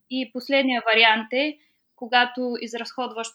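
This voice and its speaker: Bright, sharp tone from a woman, with fairly even intonation. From Bulgaria, Ruse. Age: 20s. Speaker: personal trainer. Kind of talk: interview. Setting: remote call. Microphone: poor audio.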